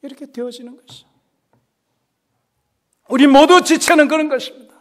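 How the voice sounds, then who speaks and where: A man preaching a sermon as a pastor, emphatic and repeating key phrases, swinging between loud exclamations and hushed asides. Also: very high voice, normal speed. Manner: repeats key phrases and puts questions to the congregation. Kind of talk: Korean Protestant sermon. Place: church service.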